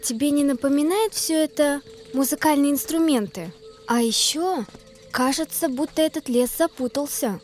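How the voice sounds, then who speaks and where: A woman's voice: sits high, normal speed, darkish tone, slight background noise, close to an everyday voice. A woman voicing a clever, cautious girl on a quest in a fairy-tale cartoon, earnest and careful. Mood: curious. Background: background music.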